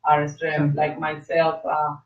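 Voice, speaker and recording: A trans woman guest on a call-in radio discussion, speaking passionately in halting bursts with many repeated words. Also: low-pitched, monotone. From South Florida. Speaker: guest, agency leader. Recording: echoey, distant, dull sound.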